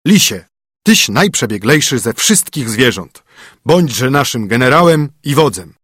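A man voicing a rude, blustering male bear in a storybook reading, loud and scornful. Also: medium pitch, very animated, unhurried, breathy edge, no echo, clean studio sound, heavily acted. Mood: flattering.

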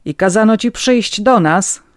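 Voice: medium pitch, unhurried, no room sound, studio quality, voice pushed up, close to an everyday voice. A reader voicing a stern, haughty older lady of the manor who speaks coldly and dismissively, in an audiobook reading. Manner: cold, dismissive.

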